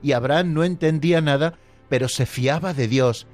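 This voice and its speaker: A man's voice: fairly high pitch, moderate pace, a little mellow, soft background music. A man hosting a radio catechism program, explaining earnestly and addressing his listeners directly.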